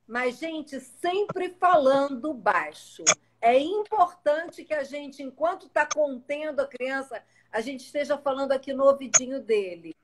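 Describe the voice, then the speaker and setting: High-voiced woman teaching parents patiently. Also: lively intonation, measured pace, noisy background. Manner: patient and instructive, addressing viewers directly. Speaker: parenting educator. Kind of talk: live-streamed parenting talk. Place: home in a city. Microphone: internet live stream.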